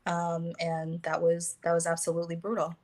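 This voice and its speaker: An American woman talking as a guest in a casual conversation, pausing often with fillers and restarts. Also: fairly low pitch, monotone, darkish tone. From United States. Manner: hesitant, many fillers and restarts.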